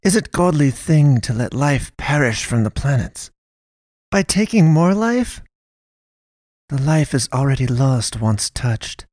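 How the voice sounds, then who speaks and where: A man reading a story, voicing a stern foreign woman pastor who hunts monsters, speaking slow, blunt, broken sentences. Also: mid-range voice, sing-song, a little mellow, no room sound, clean studio sound, pitched above the performer's own voice. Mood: defiant. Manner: broken grammar, blunt, measured.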